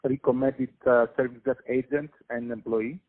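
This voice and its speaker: A man's voice: mid-range voice, fairly even intonation, moderate pace, no echo. Man, Greek accent, hesitant, many fillers, dry, phone-line sound. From Greece. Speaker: guest, tech company CEO. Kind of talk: interview answers.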